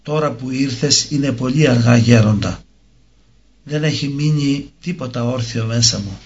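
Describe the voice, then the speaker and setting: A man's voice: medium pitch, lightly acted. A man voicing an ashamed, repentant young woman in a read-aloud religious story. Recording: dull lo-fi recording.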